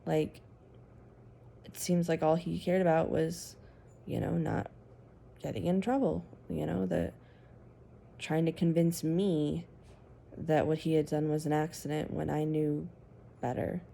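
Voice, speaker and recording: A woman giving a personal testimony to the camera, speaking in a halting, measured way with frequent pauses. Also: low-pitched, level tone, creaky, dark tone, a little hiss or hum. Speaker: survivor sharing her story.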